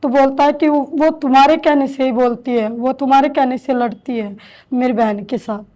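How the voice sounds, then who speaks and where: A woman in her thirties slowly recounting her own story with halting restarts, as an interviewee in a shelter home. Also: high-pitched, fairly even intonation, mellow. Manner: halting, slow, hesitant with restarts. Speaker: interviewee, domestic violence survivor. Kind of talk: emotional personal testimony.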